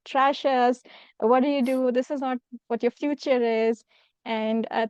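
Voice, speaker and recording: A woman's voice: on the high side, darkish tone, clear, resonant tone, no echo, lo-fi sound. An Indian-accented woman telling personal stories in a conversational interview. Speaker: spiritual healer, interview guest.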